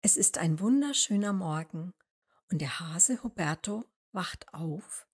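A woman narrating a story for small children as an expressive storyteller. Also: fairly low pitch, measured pace, slightly rough.

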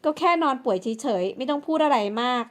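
A woman performs a scheming, spoiled older sister in an audiobook drama. The voice sits high, and she talks in a coaxing yet bossy way, always pushing blame onto others. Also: lively intonation, a little fast. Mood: pushy, blaming. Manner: bossy and pushy.

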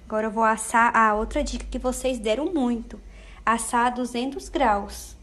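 A woman's voice: on the high side, steady tone, moderate pace, a bit bright. Effusive woman cooking at home. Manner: emotional, effusive, addresses viewers as "gente". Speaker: home cook vlogger. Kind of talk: casual cooking vlog.

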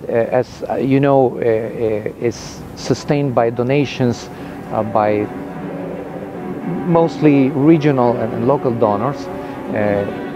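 A man in his forties speaking thoughtfully and haltingly in an interview as a university music director. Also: mid-range voice, highs cut off. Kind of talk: interview talk to camera. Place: outdoors on a campus lawn.

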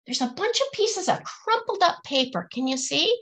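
A woman's voice: very high voice, sing-song, normal speed, a bit bright. A middle-aged woman reading a picture book aloud to children in a singsong, teacherly way, stressing the rhymes and asking questions.

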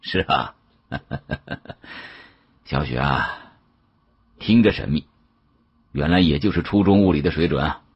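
A man voicing a shrewd, amused older male official with a husky voice and a measured, knowing manner in an audiobook. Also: rumbling low, lively intonation, dull audio, pitched below the performer's own voice, full character voice.

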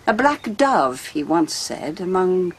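A senior nun in a radio play, speaks slowly in a lowish, husky voice. She is composed and authoritative, with a dry wit. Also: big pitch swings, full character voice. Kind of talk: radio drama acting.

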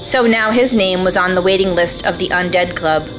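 A woman's voice: on the low side, moderate pace, poor audio. A woman reading scripted radio play narration on a stage. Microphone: stand microphone. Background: music.

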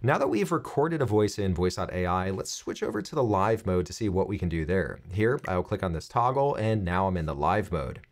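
A man in his thirties presenting a software tutorial, explaining things clearly step by step. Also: sits low, sing-song, a little fast, few pauses.

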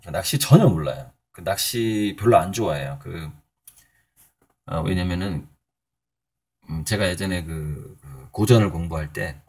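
A middle-aged male painter talking casually in a morning vlog, rambling a little with fillers and soft chuckles. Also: sits low. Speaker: painter and channel host.

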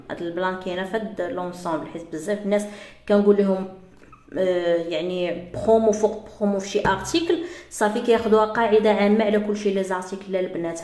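Moroccan woman doing a quick jewelry sales live, chatty, mellow voice in an echoey room. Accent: Moroccan Arabic. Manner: chatty sales pitch to female viewers. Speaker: jewelry seller.

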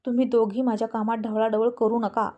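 A woman's voice: on the high side, flat delivery, fairly quick, mellow, muffled recording, close to an everyday voice. A woman voicing a curt, stern male police officer in a spoken story, with terse, clipped lines.

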